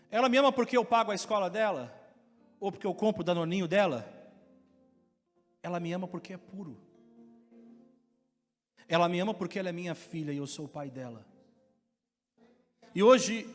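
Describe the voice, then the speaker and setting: A Brazilian man preaching a sermon as pastor, with impassioned delivery that climbs to loud, emphatic peaks. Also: on the high side. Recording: reverberant hall with faint music.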